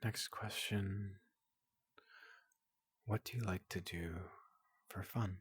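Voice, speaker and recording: A man playing a big, gentle robot doctor in a soothing ASMR roleplay, speaking in a hushed, breathy half-whisper with a polite, reassuring manner. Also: deep voice, fairly even intonation, no room sound, heavily acted. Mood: gentle, inquisitive. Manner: slow, gentle, reassuring, repeats questions softly.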